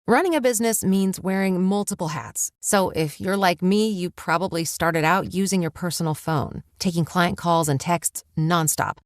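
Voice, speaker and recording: A woman's voice: lowish voice, moderate pace, few pauses, dry recording, soft background music. A woman reading a radio ad in an upbeat, conversational tone. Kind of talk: read radio ad.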